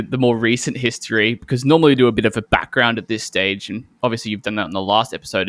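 A man's voice: medium pitch, a bit bright, dry recording, clean studio sound. A man hosting a podcast, talking in a casual, conversational interview style. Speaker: podcast host.

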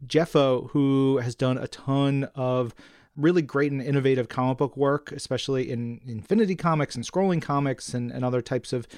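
A man co-hosting a podcast, chatting informally and emphatically about comic-book news with excitable enthusiasm. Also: mid-range voice, normal speed, no room sound, studio quality. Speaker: podcast co-host.

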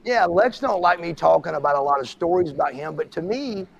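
A man's voice: fairly high pitch, a little fast, vocal fry, dull audio, a loud crowd. A middle-aged man hosting a podcast, telling stories in casual chat and acting out quotes. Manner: animated storyteller, acts out quotes. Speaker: podcast host.

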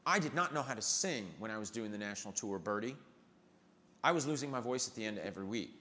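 A man who performs in musical theater, telling lively anecdotes in conversation and acting out the people he quotes. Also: lowish voice, fast talker, long reverb tail. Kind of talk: storytelling in a conversation.

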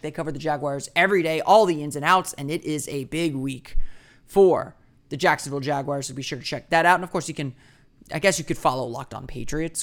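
A man's voice: gravelly, fairly bright tone. A man hosting a daily sports podcast, talking in a chatty, rambling way with asides. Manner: puts on a booming radio voice for the intro.

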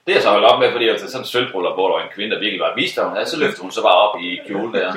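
A man telling a funny story about a gig he was hired to play, in casual chat, laughing often. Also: lowish voice. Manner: lively, laughs often, acts out other people's voices. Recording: roomy sound from a distant mic.

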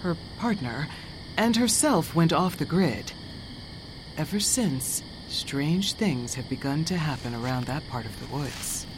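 A woman's voice: deep voice, expressive, measured pace, noisy background. A woman performing scripted narration as the solemn storyteller of an eerie audio drama. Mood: expository. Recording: clear cricket and animal ambience behind.

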